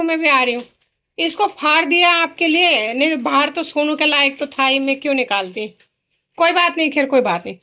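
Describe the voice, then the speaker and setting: High-pitched woman, home vlogger and mother, chatty and soothing, relaxed home recording. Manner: chatty, frequent tag questions; coaxing, soothing with a child. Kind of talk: casual home vlog chat. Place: home kitchen and rooms.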